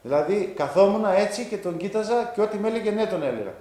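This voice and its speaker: A man giving spoken testimony of a miracle he lived through, telling it vividly and acting out what each person said. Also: sits high. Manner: lively storytelling that keeps acting out his own and others' words. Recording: roomy echo.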